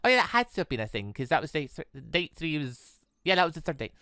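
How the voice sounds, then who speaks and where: Let's-play host: animated and bright, reads game text aloud, trips over words, tosses in casual reactions. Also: medium pitch, fast talker, clear, resonant tone, dry recording, studio quality. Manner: stumbles and corrects misreadings, interjects reactions. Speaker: gaming video host. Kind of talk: visual novel read-aloud with casual commentary.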